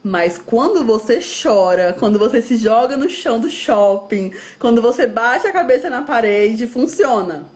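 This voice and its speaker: A woman's voice: on the high side, expressive, measured pace, hardly any pauses, darkish tone, muffled recording. A Brazilian woman, a guest specialist, explaining step by step and acting out what parents and children say. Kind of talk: explanatory interview talk.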